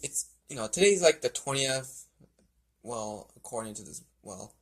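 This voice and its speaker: A man's voice: mid-range voice, lively intonation, measured pace, gravelly. A man casually reading a story aloud and commenting as an amateur video host, often stumbling over and repeating his words. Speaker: amateur fan fiction reader and video host.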